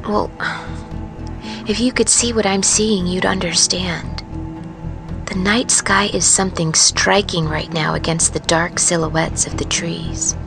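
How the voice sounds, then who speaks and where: A woman playing a weary, haunted truck driver, musing in a hushed, halting monologue for a fiction podcast. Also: on the low side, gravelly. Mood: wry, wistful. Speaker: narrator of serial fiction podcast. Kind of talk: dramatic first-person audio fiction monologue.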